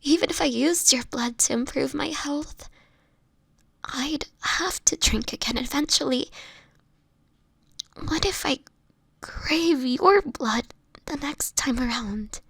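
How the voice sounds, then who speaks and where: A woman acts out a sickly female vampire, gentle and anguished, in an intimate audio drama. Her voice is fairly high and breathy, often slipping toward a whisper, and she speaks slowly in earnest, formal phrases, recorded close and dry. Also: no echo, exaggerated voice. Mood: distressed, pleading. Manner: tender, halting, earnest, formal wording.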